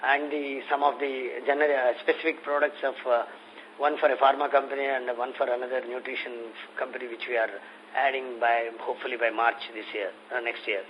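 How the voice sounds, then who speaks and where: A man with an Indian accent answering investor questions as a company executive on an earnings call, explaining in a halting way. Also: mid-range voice, level tone. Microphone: conference call phone. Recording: muffled conference phone line with noise.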